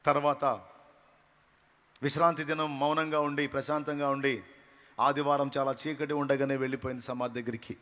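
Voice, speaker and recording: A man preaching a sermon, moving between hushed storytelling and loud, rising declarations. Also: medium pitch, flat delivery, normal speed, pauses often. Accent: Telugu. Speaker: pastor. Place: church hall. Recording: reverberant church hall.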